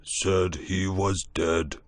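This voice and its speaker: A man voicing a solemn, hairy gray beast-man in a storybook reading, with a halting, grave delivery. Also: low voice, level tone, no room sound.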